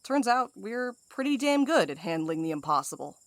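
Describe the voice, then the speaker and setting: A woman's voice: mid-range voice, sing-song, moderate pace, dry recording, studio quality, natural voice. A woman playing a cocky, sardonic and protective companion in an audio drama, wry and blunt. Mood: wry, defiant. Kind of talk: audio fiction drama acting.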